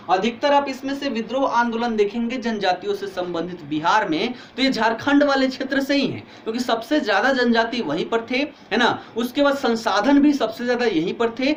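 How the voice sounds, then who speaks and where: A man's voice: very high-pitched, normal speed, hardly any pauses. Man, teacher, online lecture, tired, headache, questions students, faint background noise. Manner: explains step by step, asks students questions. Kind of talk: online exam-prep history lecture.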